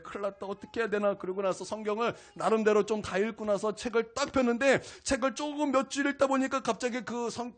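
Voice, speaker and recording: A male pastor preaching a weekday sermon, telling a personal story in an animated way. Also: extremely high pitch. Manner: animated storytelling, acts out his own angry outburst. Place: small church service.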